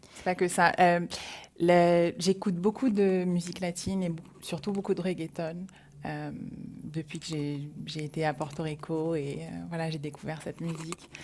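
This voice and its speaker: Speaking at a fairly slow pace with long, frequent pauses, a woman with an English accent uses a fairly low pitch and fairly even intonation, her loudness swinging widely, on a very clean recording with a silent background. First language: English (speaking French). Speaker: pop singer. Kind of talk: interview. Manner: hesitant.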